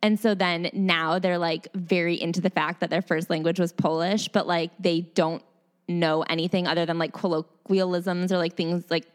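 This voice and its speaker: A woman's voice: on the low side, level tone, moderate pace. A woman co-hosting a casual podcast chat, thoughtful and full of casual fillers. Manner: thoughtful, uses many fillers. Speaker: podcast co-host.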